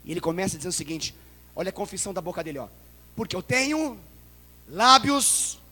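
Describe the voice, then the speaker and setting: Brazilian man, pastor, sermon; dramatic and playful, bright ringing tone, long church reverb. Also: high voice. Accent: Brazilian Portuguese. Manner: dramatic, bursts into loud cries, jokes with the congregation. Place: church sanctuary.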